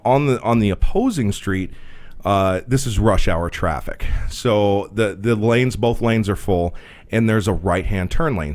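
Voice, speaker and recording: A man telling a profane, animated story in casual podcast chat. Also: fairly low pitch. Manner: animated, profane, laughs a lot. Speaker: podcast host.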